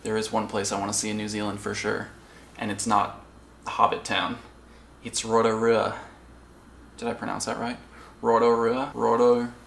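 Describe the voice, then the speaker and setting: His voice is fairly low and a bit bright, delivered completely flat at normal speed, with vocal fry and frequent pauses. This vlogger and channel host rambles casually to the camera with self-aware asides while in stores and a car, against a noisy background.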